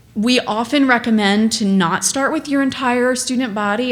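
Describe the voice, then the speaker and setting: A woman speaks at a moderate pace with an American accent. Her pitch varies in an ordinary way, and the room echo is audible. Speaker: psychologist presenter. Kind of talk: conference talk.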